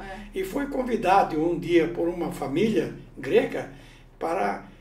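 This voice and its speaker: A man with a high pitch at a fairly slow pace. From Greece. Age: 80s+. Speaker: immigrant, former factory manager. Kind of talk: interview answer.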